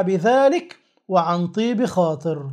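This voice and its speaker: A man speaks with an Egyptian accent against a quiet background. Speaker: religious YouTuber. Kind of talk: polemical commentary video. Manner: mixes formal Arabic and colloquial Egyptian. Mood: sarcastic, argumentative. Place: studio. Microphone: lapel.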